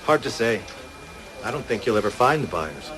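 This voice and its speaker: A man playing a knowing jewelry expert in a radio crime drama, speaking in clipped, measured, appraising phrases. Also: on the low side, big pitch swings, over music.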